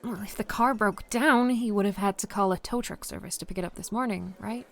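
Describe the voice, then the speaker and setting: A protective woman friend in an audio drama, played by a voice actress. Her mid-pitched voice is reassuring, with a quietly suspicious, probing edge. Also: brisk, lightly acted.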